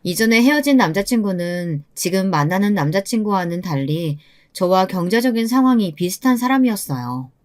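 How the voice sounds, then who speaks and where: A woman in her twenties telling her own story in scripted first-person narration, in a confiding, lamenting way. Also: mid-range voice. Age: 20s.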